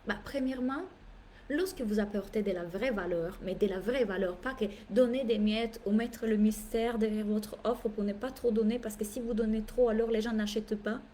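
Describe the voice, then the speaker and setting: A woman coach, French not her first language, talks to her audience in a lively, emphatic way, with theatrical asides. Her voice sits a little high but sounds mellow and soft-edged. A faint hiss runs under the recording. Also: normal speed. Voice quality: animated, playful, theatrical asides. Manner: emphatic, repeats phrases for effect. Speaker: business coach. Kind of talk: live masterclass talk.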